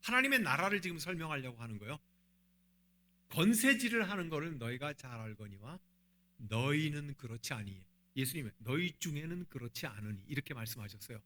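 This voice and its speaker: Male pastor preaching a sermon, animated pitch, questions the congregation often. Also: fairly quick. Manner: asks the congregation rhetorical questions. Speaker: senior pastor.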